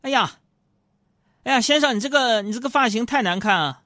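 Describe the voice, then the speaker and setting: A man putting on the voice of a pushy barber who keeps making a sales pitch. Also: animated, fairly quick, sharp tone, no room sound, clean studio sound, exaggerated voice. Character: pushy middle-aged male barber, upselling.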